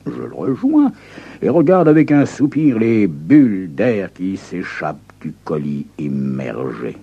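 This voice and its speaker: Male storyteller, crime story reading, theatrical, husky, highly varied pitch. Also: a little slow, muffled recording. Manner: theatrical, expressive. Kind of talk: dramatic first-person crime story reading.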